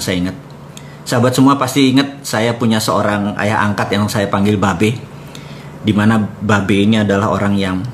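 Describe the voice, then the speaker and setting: A man's voice: fairly low pitch, slight background noise. A man hosting a live talk, telling stories in a conversational way and speaking directly to his audience. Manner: conversational storyteller addressing the audience; animated when reenacting dialogue. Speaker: host of a live economics talk. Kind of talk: live motivational talk with storytelling.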